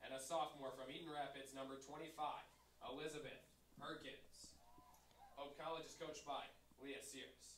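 With long, frequent pauses, a man speaks at a moderate pace in a fairly high pitch, his voice monotone and flat with vocal fry, over light background noise and audible room echo. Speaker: stadium PA announcer. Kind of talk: reading lineups over PA. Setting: PA system. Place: stadium.

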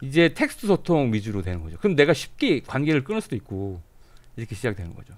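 Very wide swings in pitch mark a man's speech, which comes at a very fast pace. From South Korea. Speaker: market research executive; guest. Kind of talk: interview. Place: studio. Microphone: studio mic.

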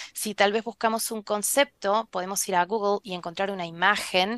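Speaking at a fairly slow pace, a woman has an Argentine accent. The sound is dry and close with no echo, and the background is quiet. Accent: Rioplatense Argentine Spanish. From Argentina, Buenos Aires and Patagonia. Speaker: language teacher and translator. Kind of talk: interview.

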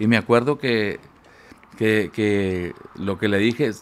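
This voice belongs to a man. It sits fairly low for a male speaker. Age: 60s. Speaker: singer; interview guest. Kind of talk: interview. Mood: warm, animated storytelling. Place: studio. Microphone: studio mic.

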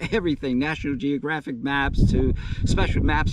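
With noticeable background noise and a dry sound with no echo, a man speaks at a very fast pace. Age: 60s. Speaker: full-time overlander living in his vehicle. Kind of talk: casual talk to camera. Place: open country. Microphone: phone near.

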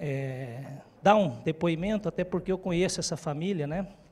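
A man's fairly high-pitched voice with ordinary pitch variation at a moderate pace. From Brazil, Jaú (São Paulo state); São Paulo state, Brazil. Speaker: bar association head; honoree giving thanks at a council session. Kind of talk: ceremony speech. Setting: city council chamber. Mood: grateful, heartfelt. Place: hall. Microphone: handheld.

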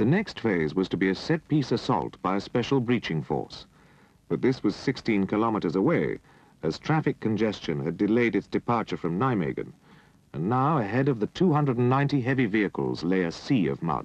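Speaking at a moderate pace in a British accent, a man with a fairly low pitch and vocal fry swings his pitch very widely while keeping his loudness very even. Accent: British, received-pronunciation style. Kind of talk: scripted narration. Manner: formal, measured documentary delivery.

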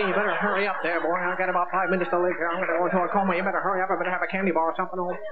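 Very fast talking from a man against loud background noise. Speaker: stand-up comedian. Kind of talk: stand-up comedy club set, observational bits with audience asides. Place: stage. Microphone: handheld.

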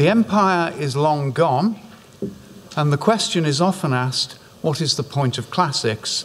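At a fairly slow pace, a man talks in a somewhat breathy, fairly high voice. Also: lively intonation. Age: old. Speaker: classics professor. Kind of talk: conference lecture. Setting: conference hall with audience. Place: hall. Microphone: podium.

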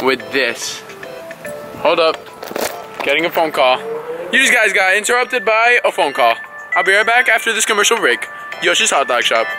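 A man speaks in a raised, projected voice at a moderate pace, with long, frequent pauses and clear music in the background. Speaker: vlogger. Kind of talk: casual vlog chat. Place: street. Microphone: phone near.

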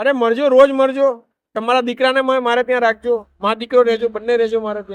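In a monotone, flat delivery, a man speaks at an extremely high pitch. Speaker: charity worker. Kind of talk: street interview and outreach; appeal to viewers. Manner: warm, reassuring.

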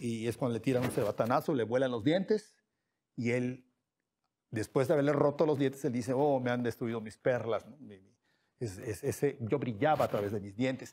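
At a moderate pace, a man speaks in a dark, mellow tone with big swings in loudness. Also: ordinary pitch variation. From Yucatán, southeast Mexico. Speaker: dentist and archaeologist, lecturer; lecturer. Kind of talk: lecture. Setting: university lecture hall with audience. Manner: halting, many repeated fillers. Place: hall.

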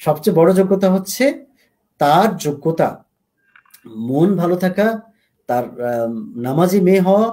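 This man's voice is high in pitch with a dark, mellow tone and very even loudness. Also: ordinary pitch variation. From Bangladesh, Kushtia. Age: 40s. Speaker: English teacher and career advisor. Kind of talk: radio call-in advice talk. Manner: animated.

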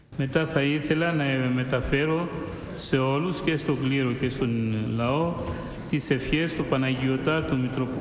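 Speaking at a fairly slow pace with fairly even intonation, this voice comes through over noticeable background noise. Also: man, fairly high pitch for a man. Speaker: bishop. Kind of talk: liturgical prayer and speech. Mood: solemn, memorial. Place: church. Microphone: podium.

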